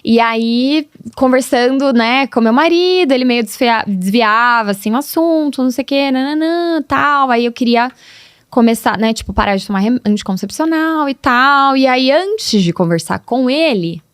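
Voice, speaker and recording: A woman in her thirties with a São Paulo interior caipira accent, a podcast guest telling stories in an animated, casual way. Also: high voice, normal speed, no echo, studio quality. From Piracicaba, São Paulo state, Brazil. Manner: animated, acts out dialogue, laughs often. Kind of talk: casual storytelling chat.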